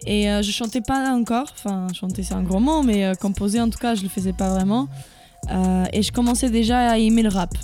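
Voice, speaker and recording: A young woman chats casually as a guest on an interview show. Her voice sits at an ordinary pitch with a soft, mellow tone. She talks in a halting way, often pausing to search for her words. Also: faint music behind. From Portugal. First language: Portuguese. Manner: hesitant, many fillers. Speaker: guest beatboxer.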